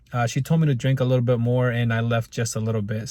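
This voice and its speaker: The voice is somewhat breathy, with fairly even intonation. The recording is very clean, with a silent background. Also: man. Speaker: vlogger. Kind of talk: vlog. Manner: soft-spoken.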